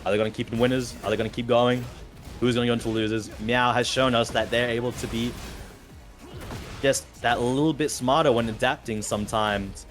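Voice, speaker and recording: A man with an Australian accent giving play-by-play and analysis of a fighting game, steady and analytical, lifting with excitement on big moments. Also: medium pitch, brisk, soft background music. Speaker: esports caster.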